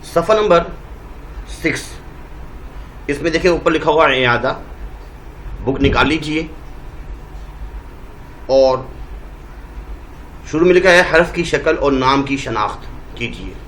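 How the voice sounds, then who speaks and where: A male teacher with a Pakistani Urdu accent, giving a Quran reading lesson and drawing out each letter name slowly to show how it is said. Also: fairly high pitch, animated, a bit bright, slight background noise, low-quality recording. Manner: draws out letter names slowly, modelling pronunciation.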